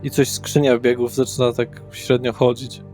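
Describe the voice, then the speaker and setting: A man's voice: mid-range voice, little pitch movement, normal speed, darkish tone. A man working as game master, narrating a tabletop role-playing scene in a casual, conversational way. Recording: music under the voice. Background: background music.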